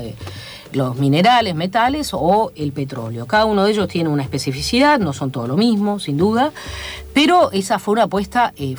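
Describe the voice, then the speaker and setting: Lively-pitched Chilean woman analyst. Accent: Chilean Spanish. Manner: measured, lecturing, many fillers. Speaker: guest, academic commentator. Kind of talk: radio interview, analytical talk. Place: radio studio.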